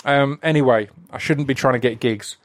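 A man's voice: medium pitch, moderate pace, no echo. A man hosting a podcast, giving a casual, rambling introduction full of restarts and asides. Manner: rambling, chatty, self-interrupting with restarts. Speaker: podcast host.

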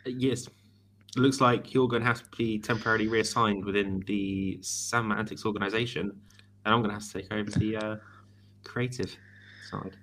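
A man's voice: lowish voice, steady tone, moderate pace, a bit bright. A man co-hosting a podcast, teasing his partner with wry quips. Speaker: podcast co-host. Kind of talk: casual chat.

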